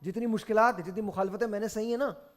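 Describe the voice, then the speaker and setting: A man's voice: high voice, steady tone, fast. A man with a Pakistani accent hosting a game show, lecturing contestants sternly and slipping into English phrases.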